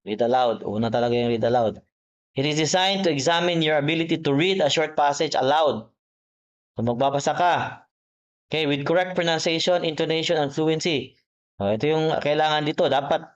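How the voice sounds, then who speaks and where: Man tutoring, slow English read-outs. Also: a little high. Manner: reads English text aloud slowly, then explains it in mixed Cebuano and Tagalog. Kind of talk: classroom lecture. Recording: dull lo-fi sound.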